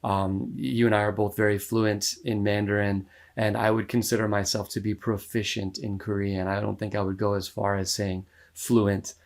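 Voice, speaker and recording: A man's voice: fairly low pitch, normal speed, vocal fry, hardly any pauses. Laid-back American man, rambling with fillers. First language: English. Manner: relaxed, rambling, laughs often, many fillers. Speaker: musician guest. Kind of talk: casual interview talk.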